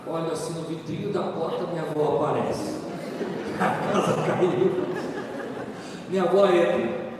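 Guy preaching in a big echoey church, kinda high voice, heard from across the room, crowd laughing behind. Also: unhurried, noisy background. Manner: animated storytelling, swings from loud excitement to quiet earnestness. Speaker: pastor. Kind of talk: sermon with humorous stories. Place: church hall with congregation. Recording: echoey church hall, mic from a distance. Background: congregation laughing.

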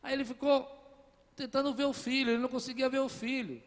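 A man's voice: very high-pitched, steady tone, fast. A man preaching a sermon as a pastor, telling a story and speaking straight to his listeners, rising to emphatic peaks. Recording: long reverb of a large hall.

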